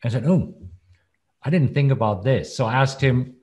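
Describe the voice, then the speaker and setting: A man's voice: mid-range voice, normal speed, darkish tone. A man in his fifties with a German accent, a native German speaker, telling personal stories conversationally as an interview guest. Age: 50s. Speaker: trading educator, interview guest.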